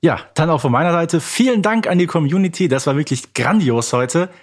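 A man's voice: fairly high pitch, lively intonation, brisk. A man co-hosting a podcast in casual conversation. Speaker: podcast co-host. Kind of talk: casual chat.

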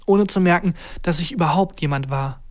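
A storyteller narrates a first-person tale from a script, at a measured, unhurried pace. The voice sits at a middle pitch, neither high nor low. It keeps a steady reading cadence throughout.

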